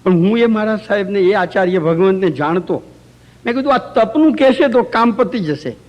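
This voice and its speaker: A man with a notably high-pitched voice teaches through anecdotes in a religious talk. He keeps turning to his listeners with rhetorical questions. It was recorded live in a community center hall. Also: lively intonation, fairly quick. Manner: asks rhetorical questions of the audience.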